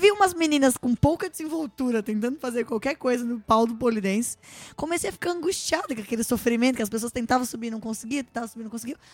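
A woman with a high pitch talks at a very fast pace. Her loudness swings widely. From Santa Catarina, Brazil (Itajaí). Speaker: podcast co-host. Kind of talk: casual chat. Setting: studio.

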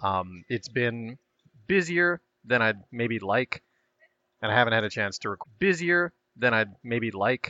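A man at a medium pitch with lively intonation. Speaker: podcast host and scout leader. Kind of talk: spoken introduction.

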